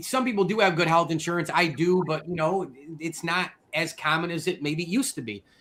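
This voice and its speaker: A man with a high voice speaks at a fairly quick pace, his tone bright and sharp and his pitch varying in an ordinary way. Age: 40s. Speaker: sports talk show host. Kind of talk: casual interview.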